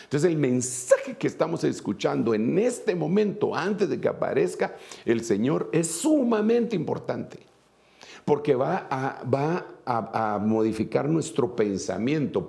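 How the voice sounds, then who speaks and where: A man's voice: mid-range voice, gravelly, warm tone. A man from Guatemala with a Guatemalan Spanish accent, preaching an earnest sermon as an apostle, repeating phrases for emphasis.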